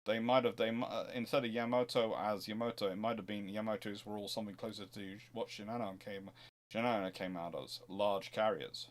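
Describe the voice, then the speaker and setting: A man's voice: fairly low pitch, fairly even intonation, a little fast. A man hosting an informal expert question-and-answer talk, discursive and often breaking off to rephrase his sentences as he thinks aloud. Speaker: host answering viewers' history questions.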